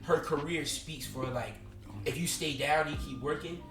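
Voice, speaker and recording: A young man from Pennsylvania co-hosting a podcast in casual chat, talking in animated bursts with lots of filler phrases. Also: on the high side, moderate pace, reverberant, recorded from a distance, music in the background. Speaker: podcast co-host.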